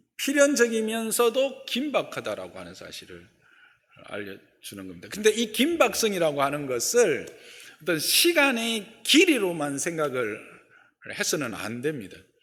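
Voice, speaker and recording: A man speaks at a fairly slow pace. His loudness swings widely, and the room echo is audible. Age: 60s. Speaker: pastor. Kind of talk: sermon.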